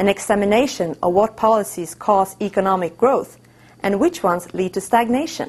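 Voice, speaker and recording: A woman speaks with a Swedish accent at a moderate pace. Her pitch sits in the medium range. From Sweden. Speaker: economics presenter. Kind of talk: scripted narration.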